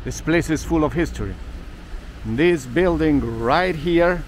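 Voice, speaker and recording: A man's voice: fairly high pitch, slow. A man with a slightly raised voice leads a casual walking tour, chatting and joking with his viewers. He is recorded outdoors on a camera mic as he walks, with faint traffic behind him. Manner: chatty, jokey asides to viewers. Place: outdoors on snowy city streets.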